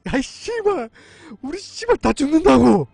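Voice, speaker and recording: A man's voice: very high voice, sing-song, a little slow, gravelly, darkish tone, soft background music, voice pushed up, full character voice. A man voicing a panicked young male soldier in a horror radio story, cursing and screaming in terror. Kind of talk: horror radio drama reading.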